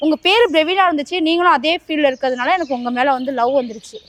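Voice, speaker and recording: Very high-voiced, insistent woman in her thirties. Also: quick pace, a bit bright. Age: 30s. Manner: insistent, pleading. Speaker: interview guest, social media personality. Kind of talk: staged comic confrontation. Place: outdoors on a road.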